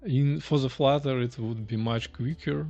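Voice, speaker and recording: The sound is lo-fi, with faint music behind, as a streamer and indie developer from Russia codes live in a small room. Thinking aloud and reading chat questions, he chats at a moderate pace in a creaky, warm, mid-range voice.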